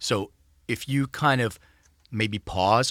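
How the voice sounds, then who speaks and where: A man with a Philadelphia accent, fairly low pitch and a bright, sharp tone, in a dry, close, echo-free, very clean recording with a silent background. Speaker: cannabis genetics expert. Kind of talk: casual interview.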